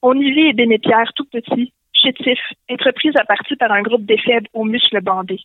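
A woman's voice: a little high, steady tone, moderate pace, dry recording. A woman with a Québécois French accent reading a comic story aloud over a phone call, in a playful way. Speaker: guest storyteller. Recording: tinny phone line.

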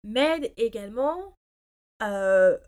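A woman hosting a personal development show, talking informally and emphatically to listeners, swinging between loud and soft and dropping English phrases into her speech. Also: fairly high pitch, expressive, very slow, clear, resonant tone. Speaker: personal development podcast host. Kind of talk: casual motivational monologue, informal address to listeners.

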